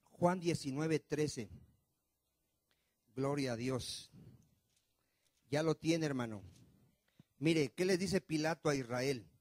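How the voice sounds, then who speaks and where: A male pastor preaches, firing question after question at his congregation. His voice sits fairly high for a man, swinging from loud pushes to low murmurs. The sound is dry and close. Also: slow, pauses often, no room sound. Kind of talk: sermon. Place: church.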